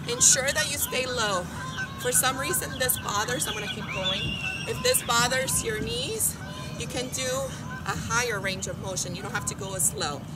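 The speaker talks at a moderate pace over loud music in the background. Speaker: fitness instructor. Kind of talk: guided group workout class. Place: open country.

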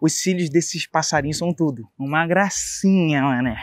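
The man's intonation is lively. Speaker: gaming youtuber. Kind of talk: casual vlog commentary while playing. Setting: outdoors. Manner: animated.

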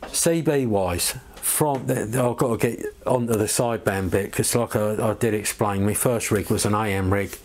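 At a moderate pace, a man talks with fairly low pitch and ordinary pitch variation. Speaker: radio hobbyist. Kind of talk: casual vlog chat. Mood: nostalgic, animated. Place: home room.

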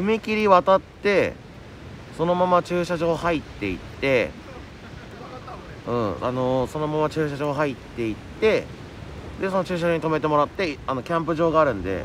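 A man at a moderate pace with long, frequent pauses, dry sound with no echo and light background noise. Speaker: live streamer. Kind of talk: casual live stream chat. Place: open country. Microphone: phone near.

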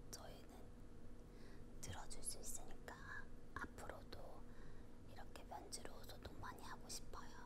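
Whispering very slowly, a woman speaks. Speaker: K-pop idol, member of a girl group. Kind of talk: ASMR whispered talk to camera. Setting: backstage after a concert. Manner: whispering, soft-spoken, intimate. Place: home room. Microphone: lapel.

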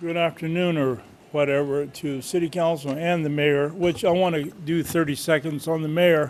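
A man's unremarkable speaking voice, fairly high in pitch, at a moderate pace with fairly even intonation. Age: 60s. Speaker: public commenter at council meeting. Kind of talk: public comment. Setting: council chamber. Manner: rambling, jumping between topics.

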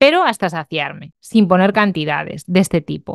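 A woman's plain, everyday voice, fairly slow with lively intonation, dry and close with no echo over a quiet background. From Galicia, Spain. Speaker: nutritionist, YouTuber. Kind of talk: casual commentary video.

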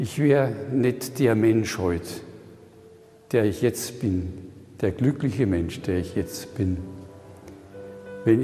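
Clear music plays behind a man with a fairly low pitch. He speaks very slowly, with long, frequent pauses. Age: 70s. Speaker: artist, painter. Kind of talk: interview answer. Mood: earnest, reflective, hopeful. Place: hall. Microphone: lapel.

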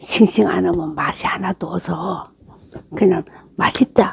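Her pitch fairly low for a woman, she speaks at a very slow pace with very wide pitch swings. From Jeju, South Korea. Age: old. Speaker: home cook. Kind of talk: casual cooking talk to camera. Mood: relaxed, content. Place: home room.

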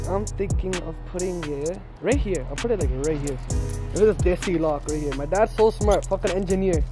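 The sound is dry, with no echo. Clear music plays in the background. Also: man. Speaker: vlogger. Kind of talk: casual vlog chat.

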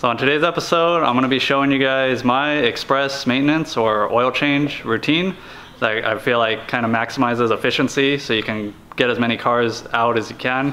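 A man speaks at a moderate pace with fairly even intonation and very even loudness. Light background noise sits behind him. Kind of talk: tutorial. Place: workshop.

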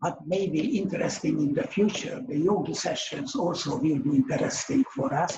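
Speaking at a moderate pace with a Hungarian accent, a man uses a high voice with very wide pitch swings and hardly any pauses. Background noise is noticeable. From Hungary. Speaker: hospital director. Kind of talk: formal welcome speech. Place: gym.

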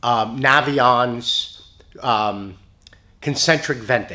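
The speech comes at a very slow pace. The speaker is a man. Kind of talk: tutorial. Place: workshop.

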